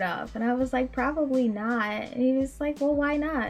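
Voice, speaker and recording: A woman talks at a fairly quick pace in a high voice with lively intonation, over noticeable background noise. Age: 20s. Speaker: game developer streamer. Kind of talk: casual chat. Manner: animated.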